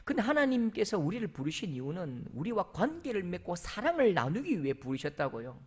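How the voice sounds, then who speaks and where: A man from South Korea delivers a church sermon with a high, lively voice that leaps up and down in pitch. He is animated and playful, slipping into other people's voices to make his point. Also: fairly quick, husky. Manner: animated, acts out quoted voices with big pitch jumps. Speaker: pastor. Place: church sanctuary.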